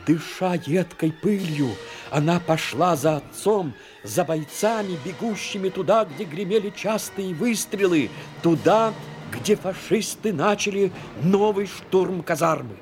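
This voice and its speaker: A man's voice: high voice, measured pace, few pauses. A man reading scripted literary narration for a dramatic audio play. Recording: music under the voice.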